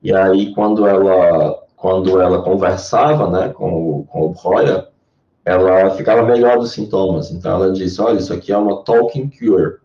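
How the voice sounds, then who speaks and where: A Brazilian man with a low, mellow voice lays out ideas at length, explaining patiently like a lecturer. His voice is Brazilian Portuguese accented. It reaches the listener through a dull, lo-fi line in an echoey room. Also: fairly even intonation, moderate pace, far from the mic. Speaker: guest, Jungian therapist. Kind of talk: interview answers.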